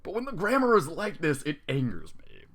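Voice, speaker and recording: A man's voice: on the high side, huge pitch swings, brisk, fairly bright tone. A man reading fan fiction aloud with running commentary, exasperated and sarcastic, swearing often.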